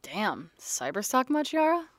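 A young woman in a scripted audio drama, teasing her friends with quick banter. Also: a little high, very animated, dry recording, studio quality.

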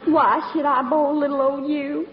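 An actress playing a movie star who puts on a coy, flirty Southern belle act with a put-on American Southern accent. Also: female voice, high voice, flat delivery, moderate pace, slight background noise, close to an everyday voice. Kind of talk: 1940s radio comedy acting. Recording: echoey, lo-fi old radio broadcast.

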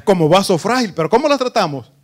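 A man preaching a sermon as pastor, rising to emphatic phrases and dropping to low asides. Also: sing-song, fast talker.

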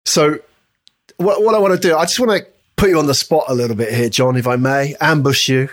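A man's voice: fairly high pitch, a little fast. A man hosting a casual interview, chatty and rambling as he puts questions to his guest. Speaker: podcast host interviewing a guest.

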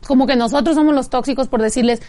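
Woman, Mexican-American accent, higher pitch, relaxed, casual chat. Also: fast talker. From United States. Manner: relaxed, code-switching, frequent restarts. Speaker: guest rapper.

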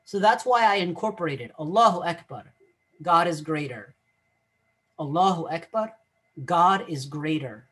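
Earnest husky man explaining calmly. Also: a little high, unhurried. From Egyptian family, English first language. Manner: earnest, explanatory, repeats words while thinking. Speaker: guest, mental health practitioner. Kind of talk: casual podcast conversation.

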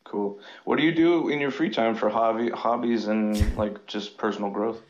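A man's voice: fairly low pitch, moderate pace. A male caller on a phone line, speaking casually and hesitantly with many fillers.

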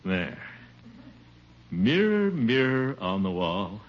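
An actor playing a pompous, boastful middle-aged bachelor in a 1950s radio sitcom, with a giggling laugh. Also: male voice, on the low side, very animated, takes it slowly. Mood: vain. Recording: dull hissy old radio broadcast.

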